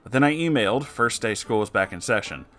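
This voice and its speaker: A man reading submitted stories aloud in a casual way, breaking in with animated, sarcastic and often sweary commentary. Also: lowish voice, fairly quick. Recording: music behind the voice. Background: music.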